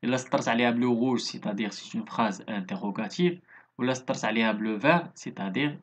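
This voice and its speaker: Man, Moroccan accent, schoolteacher, recorded grammar lesson, husky voice, slow careful reading, quick explanatory asides. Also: medium pitch. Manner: reads textbook exercises slowly, explains in quick Darija asides. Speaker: primary school teacher.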